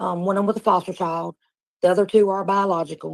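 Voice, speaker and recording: At a fairly quick pace, a woman with a Southern US accent talks at a medium pitch. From US South. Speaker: panel participant. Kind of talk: casual chat.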